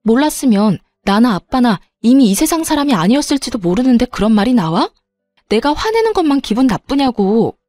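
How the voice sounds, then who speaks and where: A woman's voice: fairly high pitch, very animated, brisk, no echo, soft background music. Woman playing an angry young bride-to-be. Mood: heated. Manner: sharp, heated.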